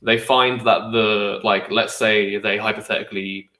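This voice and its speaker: A man's voice: fairly low pitch, steady tone, measured pace, bright, forceful tone. A young man co-hosting a podcast, rambling in casual chat, swearing freely and dropping slang. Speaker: podcast co-host. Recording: echoey room.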